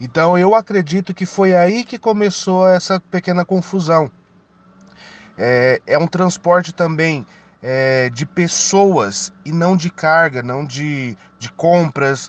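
Recorded dry and close with no echo, a man talks at a very slow pace in a high pitch with ordinary pitch variation. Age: 30s. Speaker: radio listener. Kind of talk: voice message to radio show. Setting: recorded audio message.

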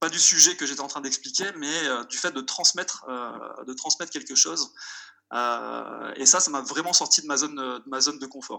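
A man with a fairly high pitch talks fairly slowly, his loudness rising and falling sharply. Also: ordinary pitch variation. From southern France, Nice area. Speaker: UX designer and teacher. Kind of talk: casual interview. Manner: halting, many repetitions and fillers.

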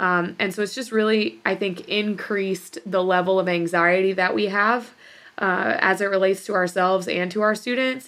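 A woman's medium-pitched voice, a normal speaking voice, with an American accent, fairly even intonation and a moderate pace. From Georgia, US South. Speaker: high school English teacher. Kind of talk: podcast interview.

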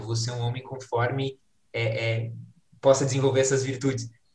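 A man's somewhat breathy, medium-pitched voice at a fairly quick pace. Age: 20s. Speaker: entrepreneur. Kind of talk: casual chat.

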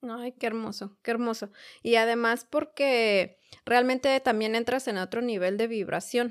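In a very clean recording with a silent background, a woman with a plain, everyday voice speaks at a fairly slow pace in a fairly high pitch and fairly even intonation. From Mexico City. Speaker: podcast host and habit coach. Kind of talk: casual interview chat.

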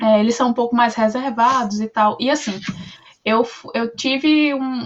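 A woman's high-pitched voice with ordinary pitch variation, at a moderate pace. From Brazil, interior of Ceará (Crato). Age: 20s. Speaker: international student. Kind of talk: casual interview chat.

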